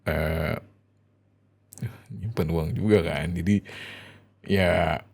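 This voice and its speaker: A man with an Indonesian accent playing a loving, emotional young husband in an intimate ASMR roleplay, speaking tenderly and haltingly. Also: low voice, steady tone, vocal fry, husky, full character voice. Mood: happy, overwhelmed. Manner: tender, halting, soft chuckles and whispers. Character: loving young husband, overjoyed about becoming a father.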